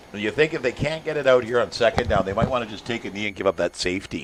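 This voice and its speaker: A medium-pitched man with a Canadian accent at a fairly quick pace, ordinary pitch variation, and noticeable background noise. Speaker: football game commentator. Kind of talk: live sports commentary. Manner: casual, animated.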